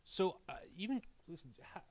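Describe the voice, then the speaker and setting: A man moderating a live panel on stage, speaking haltingly and often rephrasing his questions as he goes. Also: high-pitched, big pitch swings, a little mellow. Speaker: moderator, president of a peace-building organization. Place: on stage at a film premiere event.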